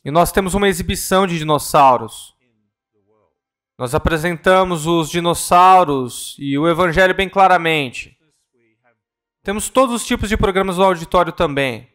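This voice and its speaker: A man interpreting a ministry talk at a church conference, earnest and measured, sometimes correcting himself mid-word. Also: high-pitched, a bit bright.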